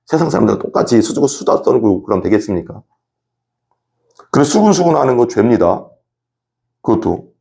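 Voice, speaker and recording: Gravelly, animated male preacher. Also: mid-range voice, fairly quick, long pauses. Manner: emphatic, repetitive, acts out examples and asks the congregation questions. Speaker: pastor. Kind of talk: sermon.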